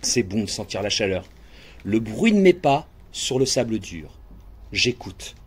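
A man reading an audiobook in scripted first-person narration, hushed and dreamy. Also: on the low side, big pitch swings, measured pace, breathy edge. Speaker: audiobook reader.

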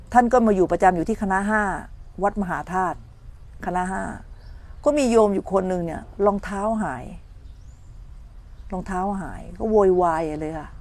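Her voice sits on the low side with a darkish tone. She's a middle-aged meditation teacher giving a morning dharma talk, weaving in stories, voicing complainers, and checking in to see that listeners understand.

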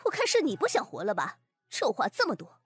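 A woman's voice: on the high side, wildly swooping pitch, brisk, soft background music. A woman playing a bad-tempered, domineering young rich woman in a wheelchair, in an audiobook drama. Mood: threatening, commanding. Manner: domineering, scornful, commanding.

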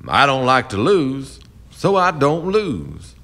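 An actor playing a confident, charming, proud riverboat captain in a radio drama, smooth-talking and self-assured. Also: male voice, mid-range voice, wildly swooping pitch, slow, fairly bright tone, full character voice. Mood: cocky challenge. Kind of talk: stage-like radio drama acting.

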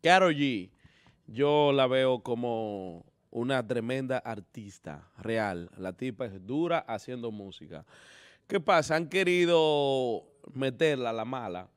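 A man giving loud, joking opinions as a panelist on a casual entertainment show. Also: mid-range voice, clear, resonant tone.

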